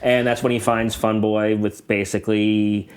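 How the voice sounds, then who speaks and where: A man's voice: lowish voice, little pitch movement, moderate pace. Man retelling movie scenes casually. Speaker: podcast host. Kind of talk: casual film podcast chat.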